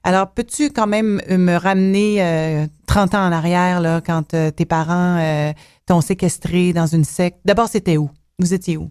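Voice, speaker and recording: A woman's voice: fairly low pitch, fairly even intonation, darkish tone, clear, resonant tone, dry recording, clean studio sound. A woman with a Québécois French accent hosting a conversational interview, chatty and full of fillers. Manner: chatty, filler-heavy, speeds up and slows down. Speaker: interview host.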